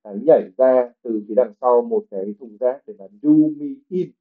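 A man teaching English reads a novel aloud in a livestream and then explains the words one at a time. His pitch sits in the middle for a man. The sound is narrow and thin, like a phone line. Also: brisk. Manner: reads English passages, then translates and explains each word. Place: livestream at home.

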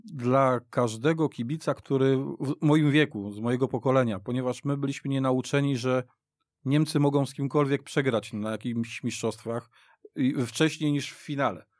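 A man's voice: medium pitch, fairly even intonation, moderate pace, no echo, studio quality. A middle-aged man reminiscing in a casual football discussion, rambling and repeating himself as he tells the story. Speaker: football podcast guest. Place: radio studio.

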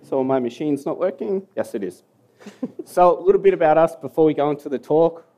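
Speaking in a hall at a security conference, a young Australian man keeps things casual and jokey, with occasional mumbling. He sounds animated and on the high side, with a dark tone and moderate pace.

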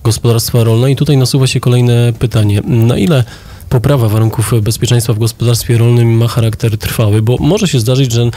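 A man hosting a radio interview and asking steady, probing questions from a studio. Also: medium pitch, fairly quick. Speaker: radio host.

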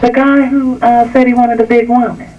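A man's voice: very high voice, level tone, moderate pace, dull audio, soft background music. A man chatting casually as a caller on a radio phone-in. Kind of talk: casual call-in chat. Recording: distant radio phone-in sound.

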